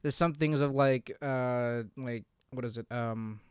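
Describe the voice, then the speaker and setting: A man's voice: mid-range voice, fairly even intonation, slow, darkish tone, smooth, no echo, clean studio sound. A man talking casually as co-host of a gaming discussion, a little hesitant and often repeating himself. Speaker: co-host of a video game discussion show. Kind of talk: casual chat.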